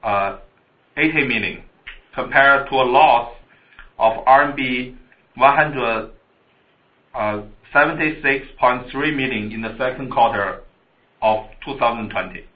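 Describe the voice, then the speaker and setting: A man formally reading a scripted financial report as a company finance chief, halting over the figures. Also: medium pitch. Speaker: chief financial officer on an earnings call. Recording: dull, echoey conference call audio.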